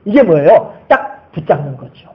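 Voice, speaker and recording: A man's voice: on the high side, big pitch swings, moderate pace. A male pastor preaching a sermon at a church service, emphatic and full of rhetorical questions to the congregation. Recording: dull lo-fi sermon recording.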